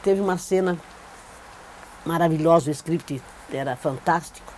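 This older Brazilian actress, seated for a studio oral-history testimony, has a deep, darkish voice and a measured pace. She recounts her career animatedly, repeating things for emphasis. The lapel-mic recording is rough, with slight background noise, made against a plain studio backdrop.

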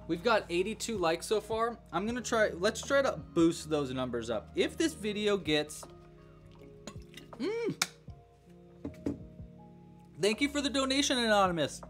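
A man's voice: high voice, sing-song, unhurried, pauses often, fairly bright tone, soft background music. Chatty young man hosting a crochet stream. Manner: chatty, counts stitches aloud, thanks donors. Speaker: crochet livestream host. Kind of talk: casual livestream crochet tutorial.

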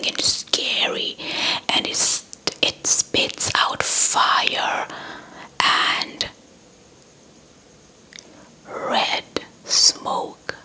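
A young woman with a South African accent narrates a folktale as ASMR, entirely in a whisper. Her delivery is slow and breathy, close to the mic, with words softly repeated. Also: poor audio. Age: young adult. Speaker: ASMR storyteller. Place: indoors, in front of a dark cloth backdrop. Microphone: small handheld lavalier mic with windscreen, held close.

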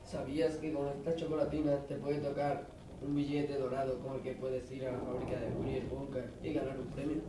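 A man's voice: medium pitch, little pitch movement, fairly quick. Teen boy, reading drama lines, super echoey, faint noise. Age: teenager. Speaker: student reading radio play parts. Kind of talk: scripted dialogue, read aloud. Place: school classroom. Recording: very echoey classroom, distant mic, faint noise.

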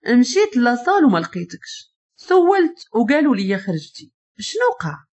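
A woman's voice: fairly high pitch, big pitch swings, brisk, darkish tone, pitched above the performer's own voice. A woman doing a flashy playful Moroccan rich guy. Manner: playful, boastful. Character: rich flashy tattooed young man.

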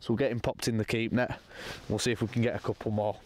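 A young man talking casually to camera while fishing from a lake bank outdoors, explaining his session in a relaxed, matter-of-fact way. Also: on the low side, fast talker. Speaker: angler presenting a fishing session.

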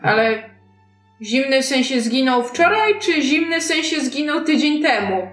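Female tabletop player, higher voice, casual delivery, faint music behind. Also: animated, measured pace. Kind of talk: casual role-play chat. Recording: roomy echo, faint music.

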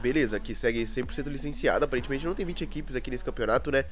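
A young Brazilian man with a cold, his voice congested and hoarse, chatting casually through gaming news and constantly checking in with viewers. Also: mid-range voice, very fast. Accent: Brazilian Portuguese. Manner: chatty, keeps asking the viewers "né, cara?". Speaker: gaming YouTuber.

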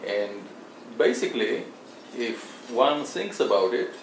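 Male interviewer, formal and flowery, mid-pitched, faint hiss behind. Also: very animated, takes it slowly, recorded from a distance. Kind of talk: interview questions. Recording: echoey room, faint hiss.

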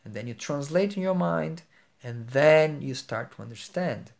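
A man's voice: a little high, lively intonation, moderate pace, creaky, darkish tone. A man in his thirties, a native Portuguese speaker with a Portuguese accent, explaining a lesson to camera in an earnest way, often asking "right?". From Portugal or Brazil. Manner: earnest, explains with everyday examples, checks in with "right?". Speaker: English teacher. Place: indoor room with plain wall. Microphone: phone camera held close.

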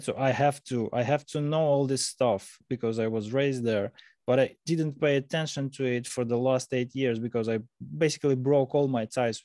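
A man in his thirties with a Russian accent hosting a podcast, halting and searching for words as he asks questions. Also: mid-range voice, warm tone, dry recording, studio quality. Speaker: podcast host. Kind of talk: casual interview talk. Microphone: large mic on a video call.

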